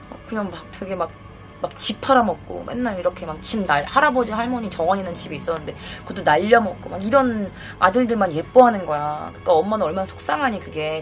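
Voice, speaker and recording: A young woman from South Korea hosting a live stream, telling a personal ghost story in an emotional, halting way, with many restarts. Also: on the low side. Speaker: host. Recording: faint music under the voice.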